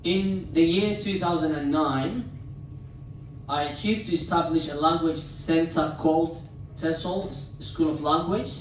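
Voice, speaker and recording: A man from Somalia in his thirties, giving a prepared, formal talk as a guest speaker at a club dinner, with measured delivery and occasional restarts. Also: on the high side, recorded from a distance, slight background noise. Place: club meeting room. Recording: echoey hall, speaker away from mic.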